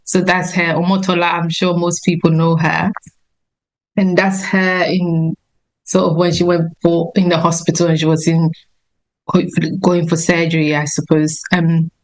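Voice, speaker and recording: A woman's voice: lowish voice, level tone, moderate pace, poor audio. A woman nurse practitioner giving an informal health talk on a video call, earnest and explanatory, often restarting her sentences. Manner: earnest, explanatory, self-correcting.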